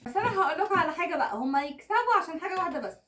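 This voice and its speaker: An Egyptian woman hosts a family unboxing vlog in a high, bright voice, words tumbling out at great speed. She chats freely and laughs often as she talks to viewers. The sound carries a roomy echo. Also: sing-song, rapid-fire, a little hiss or hum. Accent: Egyptian Arabic. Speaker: family channel host. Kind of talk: casual unboxing chat.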